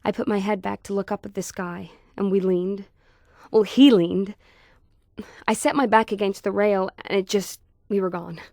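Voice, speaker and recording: A woman performing a dramatic monologue as a shaken woman, telling her story in a halting, intense way. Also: mid-range voice, fairly even intonation, darkish tone, no echo, clean studio sound, lightly acted. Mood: distraught. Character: shaken woman recounting a deadly fall.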